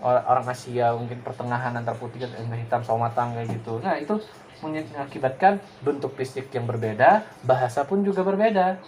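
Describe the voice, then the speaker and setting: Male lecturer, casual digressive delivery, mid pitch, faint noise floor. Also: a little fast, darkish tone. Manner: casual and digressive, many fillers and tag questions. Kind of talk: recorded class explanation.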